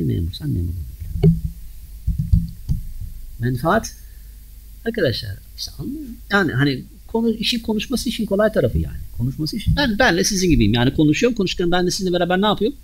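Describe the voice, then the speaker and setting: Male preacher, mosque sermon, husky voice, very lively intonation, rhetorical questions to the congregation. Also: on the high side. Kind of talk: Friday mosque sermon talk.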